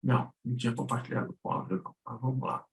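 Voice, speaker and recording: A man's voice: medium pitch, completely flat delivery, racing, creaky. A man explaining things informally in a live lesson, often checking in with short tag questions. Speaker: guest instructor. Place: indoor room on an online live stream. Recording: roomy, echoing live-stream audio.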